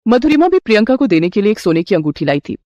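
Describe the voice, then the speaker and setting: A woman narrating a scripted cartoon story, clear and expressive, with lively pitch movement. Her voice sits in a middle range. The recording is dry and close, with no echo. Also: fast, highs cut off.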